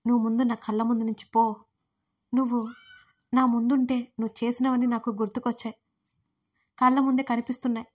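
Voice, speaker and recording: A woman's voice: a little high, level tone, quick pace, dark tone, close to an everyday voice. A woman reading the lines of a grieving young woman who speaks with tearful reproach in an audio story. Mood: bitter, tearful.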